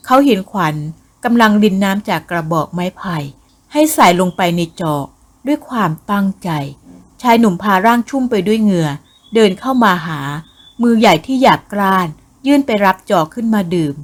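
A woman narrating a Thai ghost novel as an audiobook, with a measured, expressive reading. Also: medium pitch.

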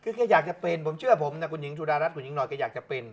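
Casting: middle-aged male talk-show co-host, high voice, rapid, stumbling repeats. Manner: excitable, stumbling and repeating words. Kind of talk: heated political chat.

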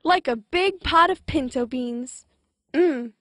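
A young woman playing a flippant, deadpan contestant who hams up a storybook peasant girl in a comic audio drama. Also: high-pitched, takes it slowly, dry recording, clean studio sound. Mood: mock dramatic.

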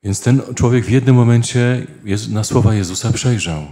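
A man preaching a sermon as a priest, earnest and speaking in short phrases with pauses. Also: fairly low pitch, warm tone.

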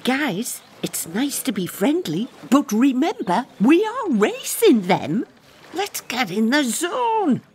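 A woman's voice: high voice, very animated, slow, darkish tone, slightly rough, exaggerated voice. A woman voicing a bossy, competitive elderly female crew leader in a cartoon, with a commanding, rallying manner. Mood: firm. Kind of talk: animated comedy character acting.

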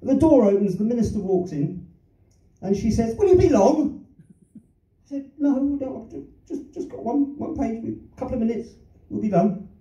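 An older man, raised in London, works through a stand-up set with a wandering, self-mocking delivery and an animated, swooping pitch. His voice is dark and mellow. It is caught from out in the audience, so it sounds distant, roomy and a little dull. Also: normal speed. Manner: rambling anecdotes with self-deprecating asides and chuckles. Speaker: stand-up comedian. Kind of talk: stand-up routine. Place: small theatre stage. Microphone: handheld mic, filmed from the audience.

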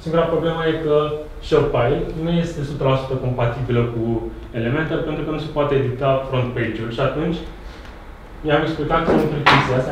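A young man from Romania giving a conference talk in a meeting room, relaxed and halting, with many fillers and restarts. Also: mid-range voice, background noise. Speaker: presenter. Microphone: far camera. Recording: echoey room from far off.

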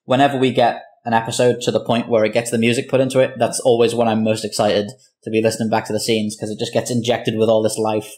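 A man's voice: lowish voice, flat delivery, fast, few pauses, darkish tone. A man chatting on a roundtable, appreciative but hesitant, often restarting his sentences. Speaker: show creator, podcast panelist. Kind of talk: casual roundtable chat.

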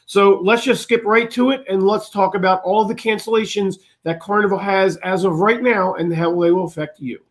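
A man's voice: sits high, fairly even intonation, normal speed, hardly any pauses. A man hosting a cruise travel channel, steadily reading out a long list of updates to his viewers.

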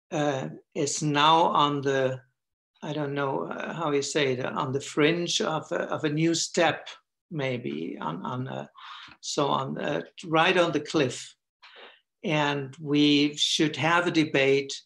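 Man, gravelly voice, slow halting speech, video call headset. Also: on the high side, a bit bright. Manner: halting, many fillers and restarts. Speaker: panelist. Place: home room with bookshelves.

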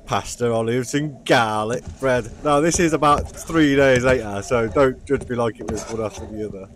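A man's voice: medium pitch, normal speed, slight background noise. A man, chatting casually and rambling self-mockingly in a parked van. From United Kingdom. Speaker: van life vlogger. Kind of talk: casual vlog chat.

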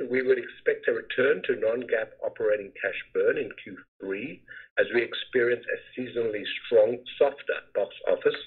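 A man in the role of a company finance executive reading a scripted earnings presentation in a formal, measured manner. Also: mid-range voice, breathy edge. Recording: muffled phone-like conference call webcast audio.

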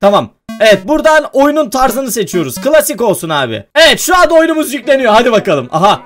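A man's voice: very high voice, big pitch swings, fast talker, a bit bright, faint music behind. A young man doing casual let's-play commentary, talking to his viewers and yelping when he gets scared. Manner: jumpy, talks to viewers, yelps when scared. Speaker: gaming YouTuber.

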